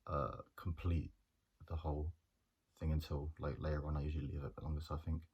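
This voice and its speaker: A young man, a journalism student talking through his plans in a hesitant, monotone way with many pauses and restarts. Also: rumbling low, creaky, breathy edge, lo-fi sound. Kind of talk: casual reflective monologue.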